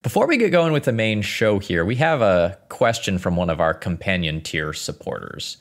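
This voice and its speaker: A male podcast co-host with a very low voice that swings widely in pitch. He reads ads and lists items in a brisk, animated way. He sounds casual and practiced.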